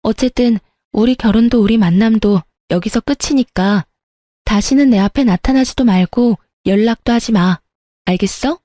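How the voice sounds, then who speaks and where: A woman voicing a sharp-tongued young woman who breaks off her engagement, speaking bluntly and cuttingly. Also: on the high side, normal speed, no room sound, clean studio sound, lightly acted. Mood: scornful.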